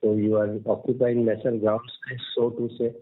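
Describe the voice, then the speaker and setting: A man's voice: medium pitch, flat delivery, moderate pace. A man with an Indian accent answering investor questions as a company executive on an earnings call, explaining things step by step. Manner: explanatory, uses tags like "right?" and "so to say". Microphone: conference call line. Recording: muffled narrow-band conference phone line.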